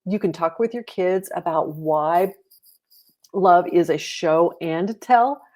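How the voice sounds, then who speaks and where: A woman's voice: fairly low pitch, slow, darkish tone. A woman hosting a children's storytime, reading aloud and explaining things to parents. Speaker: storytime host and reader.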